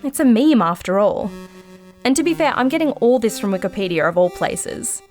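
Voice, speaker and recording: A woman's voice: a little high, lively intonation, moderate pace, a little mellow, faint music behind, lightly acted. A woman playing a curious, wry podcast host in a conversational, naturalistic audio drama style. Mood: measured, wry.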